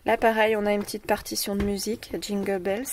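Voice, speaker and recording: A woman's voice: mid-range voice, level tone, a little fast. A woman with a French accent hosting a scrapbooking video, talking in a hesitant way with many fillers and repeated words. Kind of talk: casual show-and-tell of a craft haul. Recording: distant mic with faint noise.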